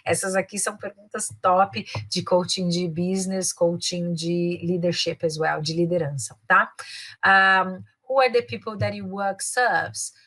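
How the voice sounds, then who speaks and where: A woman's voice: on the low side, level tone, measured pace, fairly bright tone. A woman with a Brazilian Portuguese accent, giving a casual English lesson as a teacher and career coach, chatting easily and slipping into English phrases with frequent tag questions.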